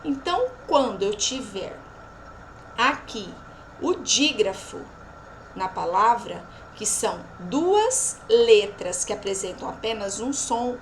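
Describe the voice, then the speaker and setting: A woman's voice: on the high side, fairly bright tone, a little hiss or hum, rough recording. A Brazilian Portuguese woman teaching a lesson, drawing out example words and checking in with her class after each point. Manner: slow, drawn-out pronunciation of example words. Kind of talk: recorded remote lesson.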